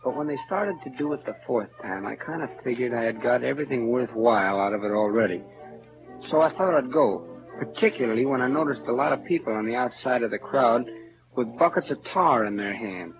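A man's voice: mid-range voice, brisk, natural voice. A man voicing a resourceful rustic teenage boy who narrates in plain, rustic speech, in a 1940s radio drama. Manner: plain rustic narration, urgent when searching. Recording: dull lo-fi old radio recording with music.

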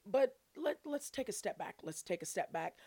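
A woman's voice: medium pitch, very animated, moderate pace, a little mellow, husky, no echo. A forty-year-old woman hosting a casual solo podcast, chatting in an exuberant, playful, chummy way straight to her listeners. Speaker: podcast host.

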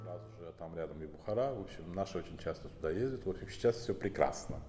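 A man from Tajikistan speaking Russian as a second language with a Central Asian Tajik accent, explaining things in an informal interview in a halting, repetitive way full of fillers. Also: deep voice, animated, warm tone, faint music behind. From northern Tajikistan. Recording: roomy hall with long reverb.

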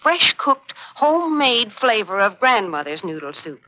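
A woman's voice: mid-range voice, big pitch swings, a little slow, sharp tone, a little hiss or hum. An American woman delivering a chipper, polished 1940s radio advertisement as the sponsor's spokeswoman. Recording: dull old radio broadcast recording.

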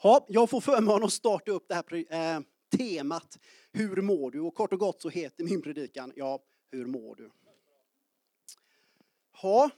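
Lively, high-voiced preacher, early forties. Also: male voice, no room sound. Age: 40s. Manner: lively, joking, calls out to the congregation. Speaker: pastor. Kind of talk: sermon. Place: church.

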